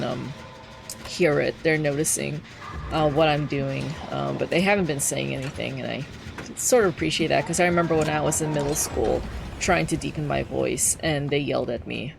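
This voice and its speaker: Streaming a game from home, a young trans man chats casually and rambles, full of fillers and wry asides. His voice is fairly high and creaky, with a noisy background.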